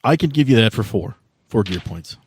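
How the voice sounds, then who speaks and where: A man's voice: on the low side, animated, fairly quick, a little mellow, husky, dry recording, clean studio sound. A man narrating casually as game master, improvising in an informal, sweary way with hesitant phrasing. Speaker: game master of a tabletop RPG podcast.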